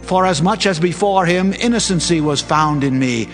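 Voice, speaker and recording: A man playing a faithful, earnest prophet in a dramatized scripture production, speaking with solemn, measured declamation. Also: fairly high pitch, lightly acted. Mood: reverent relief. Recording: music behind the voice.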